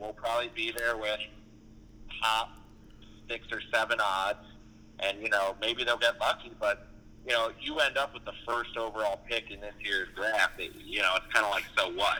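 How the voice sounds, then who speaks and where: A man with an American accent talks at a medium tempo. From Chicago. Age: 20s. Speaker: sports writer. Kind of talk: casual sports talk.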